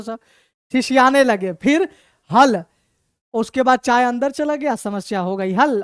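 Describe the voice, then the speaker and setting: A woman teacher tells a comic story to explain a lesson, acting out its scenes and repeating memory phrases. Her voice sits a little high. The sound is dry and close. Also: dry recording. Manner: lively, dramatizing, repeats mnemonic phrases.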